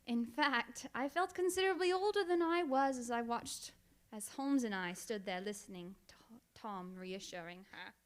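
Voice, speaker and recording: Lady doing high voiced old doctor guy, blustery n gentlemanly, radio mystery play. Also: moderate pace, few pauses, natural voice. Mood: reflective, narrating. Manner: blustering, old-fashioned gentlemanly turns of phrase. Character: Doctor Watson, blustering, indignant, kindly older gentleman storyteller. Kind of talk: old-time radio mystery theatre acting.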